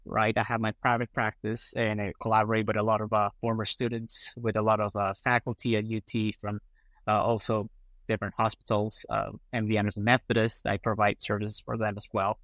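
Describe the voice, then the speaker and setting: A man's voice: lowish voice, level tone, brisk, a bit bright, no echo. A middle-aged man from Colombia, a prosthodontist guest on a podcast, talking casually with many fillers and restarts. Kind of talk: casual interview talk.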